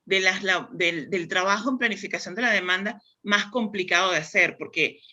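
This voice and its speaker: A woman's voice: mid-range voice, moderate pace, bright, forceful tone. A woman from Spain with a Spanish accent, a guest explaining demand planning in a thoughtful, conversational way with frequent restarts. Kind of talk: conversational interview.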